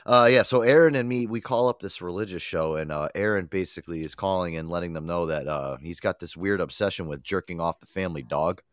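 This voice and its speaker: A man's voice: sits low, fairly quick, few pauses, clean tone, no room sound, clean studio sound. A man hosting a radio show in casual, profane chat, stuffed up with a head cold. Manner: swears often, laid-back rambling.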